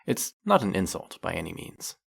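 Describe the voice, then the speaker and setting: A man playing a centuries-old, brooding vampire hunter in an audio roleplay, questioning with measured, wry menace. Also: deep voice, huge pitch swings, gravelly, breathy edge, heavily acted. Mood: knowing, grim. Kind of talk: dramatic audio roleplay, addressing the listener.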